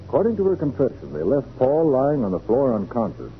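A man acting a confident, shrewd private detective in a 1940s radio drama, brisk and authoritative as he takes charge and explains. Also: mid-range voice, wildly swooping pitch. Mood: explaining, assured. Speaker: actor in a radio crime drama. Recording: muffled, noisy 1940s radio recording.

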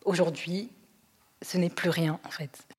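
Invitée belge de trente ans, ton sincère et posé, voix grave, réverbération marquée. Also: female voice, on the low side, fairly even intonation, a little slow, slightly rough, long reverb tail. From Belgium. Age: 30s. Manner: earnest and reflective, with many hesitations. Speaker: guest. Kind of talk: personal testimony in a podcast conversation.

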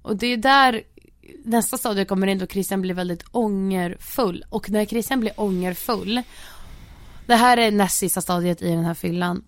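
A young woman co-hosting a podcast in casual chat, teasing and acting out what others said. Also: mid-range voice. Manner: teasing, mimics others mid-story. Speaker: podcast co-host.

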